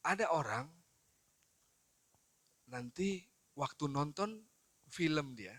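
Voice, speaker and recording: A man, preaching at a seminar in a lively storytelling way and talking straight to his audience. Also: on the high side, slow pace, no room sound. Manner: lively storytelling with acted quotes, addresses audience directly. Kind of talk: seminar sermon.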